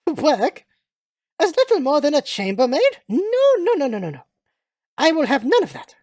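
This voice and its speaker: Woman putting on a haughty posh young lady, high-pitched. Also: big pitch swings, normal speed, darkish tone, dry recording, studio quality. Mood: indignant. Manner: prim, imperious, old-fashioned genteel phrasing. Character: haughty young lady super heavy tank, posh and indignant.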